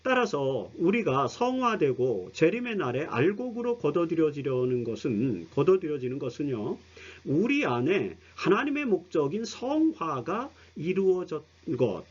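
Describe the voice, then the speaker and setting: A man's voice: fairly high pitch, big pitch swings, normal speed, darkish tone, husky, muffled recording. A man teaching a broadcast Bible study lecture, explaining earnestly and speaking straight to his listeners. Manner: earnest explanatory preaching, addresses listeners directly.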